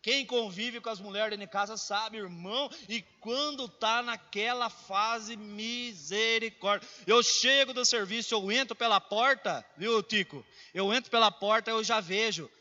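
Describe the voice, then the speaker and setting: High, bright-voiced Brazilian pastor preaching. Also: male voice, a little slow, few pauses. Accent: Brazilian Portuguese. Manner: emphatic preaching, repeating phrases, swinging between loud and soft. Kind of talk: sermon. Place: church sanctuary. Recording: echoey church hall, dull lo-fi sound.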